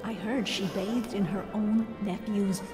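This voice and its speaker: An actress playing an arch, conspiratorial society gossip who relishes scandal in a video game. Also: female voice, mid-range voice, fairly even intonation, a little slow, lightly acted. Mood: gossipy, arch. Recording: echoey hall reverb with music behind.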